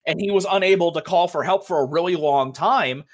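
A man's voice: fairly high pitch, brisk. Rambling young man telling a game story. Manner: rambling storytelling with many fillers and swearing. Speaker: podcast co-host, game master. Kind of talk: casual chat about tabletop games.

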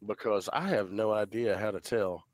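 A man's voice: lowish voice, fairly even intonation, normal speed, a little mellow, no room sound. A man in his thirties with a stuffy head cold, chatting casually and swearing easily on a voice call. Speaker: podcast host. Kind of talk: casual chat.

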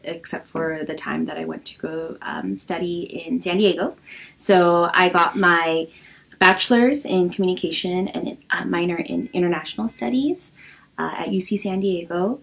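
A woman in her early thirties from Los Angeles, a podcast guest speaking casually and hesitantly, with many pauses and ums. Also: on the low side, a bit bright, rough recording. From Los Angeles, USA. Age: early 30s. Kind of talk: casual interview talk.

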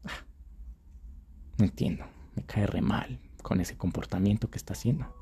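A man's voice: fairly low pitch, normal speed, warm tone, breathy edge. A man giving dating advice in a dramatic, profane monologue, acting out little scenes. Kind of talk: casual monologue to camera.

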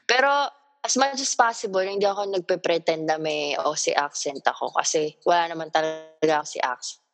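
A woman's voice: low voice, a little fast, faint music behind. A woman in her twenties from the Philippines, chatting playfully as a guest on a video call and laughing easily. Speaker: guest, model. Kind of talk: casual catch-up chat. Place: home in Melbourne.

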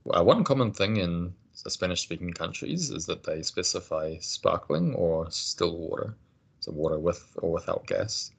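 A man teaching a casual language lesson, patient and encouraging, explaining things slowly. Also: low voice, animated, vocal fry, slightly rough.

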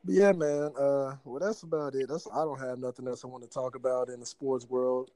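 A man in his thirties co-hosting a casual podcast, joking and bantering in relaxed slang. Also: medium pitch, brisk, no room sound. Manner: laid-back slangy banter with laughs. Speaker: podcast co-host. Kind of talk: casual chat.

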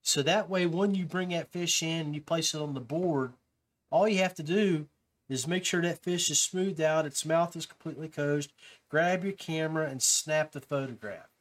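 A man hosts a podcast in a relaxed, rambling way, with fillers and restarts. His voice sits a little high for a man. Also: normal speed. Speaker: podcast host. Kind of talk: casual podcast talk.

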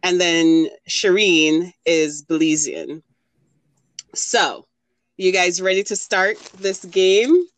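Slow-talking chatty woman host. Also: lowish voice, no room sound. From Jamaica. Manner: chatty, laughs often, runs the game. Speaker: podcast co-host. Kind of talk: casual chat.

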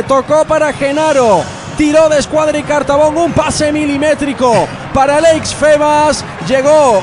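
A man with an accent from Spain doing passionate, excited live radio play-by-play of football, often shouting and stretching out words. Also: very high-pitched. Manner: passionate, shouting, drawn-out exclamations.

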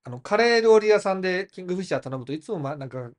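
A middle-aged man hosting a casual chat, jokey and full of quick asides. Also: high voice, lively intonation. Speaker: podcast host, publisher.

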